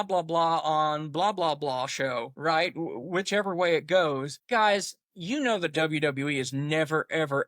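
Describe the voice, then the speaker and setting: A man's voice: high voice, sharp tone, dry recording. Opinionated man hosting a solo podcast. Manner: opinionated, rambling, self-deprecating humor. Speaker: podcast host. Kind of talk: casual solo podcast monologue.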